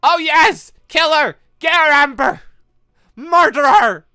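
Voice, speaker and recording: A woman giving excitable video game commentary as a let's play host, reacting out loud with exclamations. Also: high voice, slow, no echo, clean studio sound.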